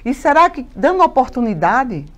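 Speaking at a normal pace in a high-pitched voice, a woman in her 50s from Paraíba, Brazil, appears as a mayor on a TV studio interview. She's animated, gestures a lot, and repeats words and uses fillers often. A lapel mic picks her up.

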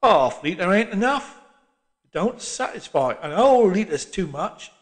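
Man doing loud, slow, gruff old geezer, cantankerous. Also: high voice, very animated, pitched above the performer's own voice. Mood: grumbling. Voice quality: gruff, pugnacious. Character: grumbling old working-class London man. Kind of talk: audiobook character voice.

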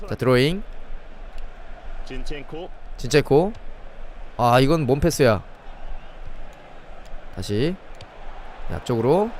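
This young man has a mid-range voice and takes his time, pausing often as he streams a football game. He offers excitable live commentary on the plays and talks with viewers in the gaps.

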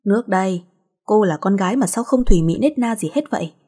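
A woman's voice: medium pitch, animated, brisk, mellow, husky. A woman voicing a stern, fussy grown man who speaks curtly and finds fault. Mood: reproachful. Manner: curt, reproachful.

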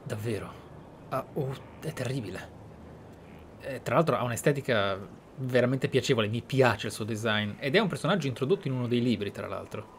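A man's voice: medium pitch, lively intonation, a little fast, slight background noise. Italian man commenting over game ambience. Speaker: gaming YouTuber.

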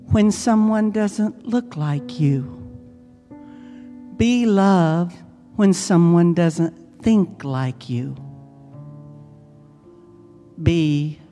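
An American woman minister leads a guided meditation, her mellow voice on the low side and very slow. She speaks hushed and soothing, with deliberate phrasing and long pauses, over instrumental meditation music and long reverb.

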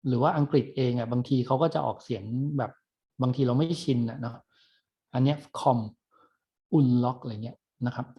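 Chatty male lecturer, muffled recording. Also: mid-range voice. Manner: relaxed, chatty teaching with many fillers and restarts. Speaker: university lecturer.

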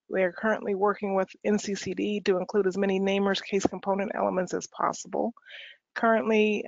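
A woman's voice: medium pitch, creaky, no echo. A woman reading out a written update during an online meeting. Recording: dry, slightly dull online meeting audio.

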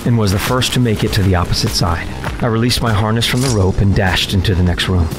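A low-voiced working man, played by an actor, recounts his ordeal in a deadly horror drama. He narrates in the first person, tense and determined, with prominent music underneath. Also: fast talker, natural voice, low-quality recording. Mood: tense, recounting.

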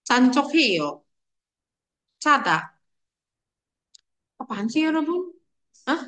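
A woman's voice: mid-range voice, bright, forceful tone. A young adult woman teaching an online language lesson, chatty and playful, calling on her students by name.

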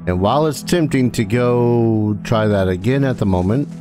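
A man's voice: mid-range voice, moderate pace. A man hosting a let's play as game master, chatting casually with hesitant, dry, self-mocking humor. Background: game music.

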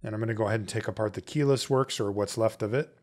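A man's voice: fairly low pitch, quick pace. A man hosting a repair channel, talking through each step casually and conversationally, as if thinking aloud. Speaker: host of a watch repair channel. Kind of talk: casual step-by-step tutorial narration.

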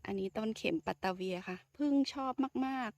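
Soft-spoken woman touring her garden. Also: medium pitch, a little fast, gravelly, dry recording. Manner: chatty, soft-spoken, polite with frequent particles. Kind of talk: casual garden tour vlog. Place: outdoor home garden.

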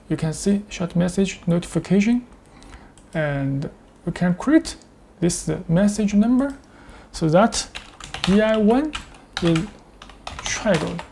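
A man demonstrates a product step by step in halting English. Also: high voice, gravelly, darkish tone. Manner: step-by-step, halting non-native English phrasing. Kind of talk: screen-share tutorial with live demonstration.

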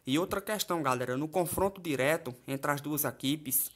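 A man talks through football betting tips as a voice-over on a screen recording. His voice sits a little high for a man, and he keeps it chatty, checking in with his viewers as he goes. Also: normal speed. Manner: chatty, keeps asking "tá certo?" and "né?". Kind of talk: casual screen-share commentary. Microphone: voice-over over a phone screen.

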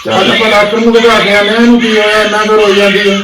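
A man's voice: high-pitched, little pitch movement, racing, reverberant, recorded from a distance, very noisy, natural voice. An actor playing a young Punjabi father who scolds his mother for rejecting his baby daughter, speaking in a Punjabi accent. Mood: worried. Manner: reproachful. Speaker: husband and son. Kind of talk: short-film drama acting.

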